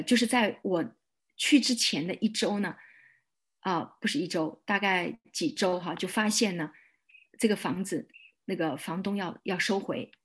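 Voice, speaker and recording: A woman pastor giving a personal testimony, telling her story in a lively way and acting out her own prayers. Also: medium pitch, breathy edge.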